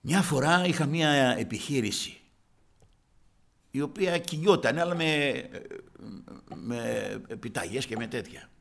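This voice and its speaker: A man's voice: medium pitch, lively intonation, vocal fry. An older man preaching a sermon, vividly telling his own story and calling the congregation brothers. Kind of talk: sermon with personal testimony.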